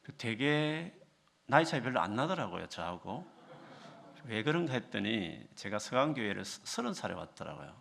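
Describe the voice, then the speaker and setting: Man, 50s, visiting missionary; gravelly voice, warm chatty greeting. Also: on the low side, big pitch swings, normal speed, slight background noise. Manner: chatty, self-deprecating. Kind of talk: sermon greeting.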